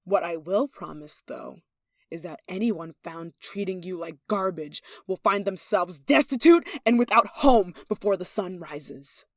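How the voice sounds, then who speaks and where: A woman's voice: lowish voice, a little slow, no room sound. A woman acts out a domineering young noblewoman in an intimate audio roleplay. She is haughty, jealous and possessive, handing down clipped commands as someone used to being obeyed. The recording is dry and close, with no room sound. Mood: possessive, menacing. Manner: imperious, indignant, sighing, clipped commands. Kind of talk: yandere ASMR roleplay acting.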